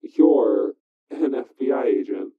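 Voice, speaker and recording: An actor playing a wary, excitable conspiracy investigator in an audio drama, informal, skeptical and sweary, heard through a phone. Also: male voice, medium pitch, slow pace, husky. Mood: startled, incredulous. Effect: phone line filter. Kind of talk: audio drama dialogue over a call. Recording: thin, narrow-band phone line.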